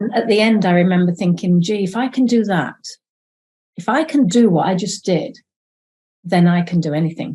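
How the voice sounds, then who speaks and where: A woman speaks in a Yorkshire accent at medium pitch with a dark, mellow tone and somewhat breathy quality. Her intonation is lively, at a moderate pace with long, frequent pauses. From Yorkshire, northern England. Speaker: psychotherapist and coach. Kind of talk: interview conversation. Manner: hesitant, many fillers.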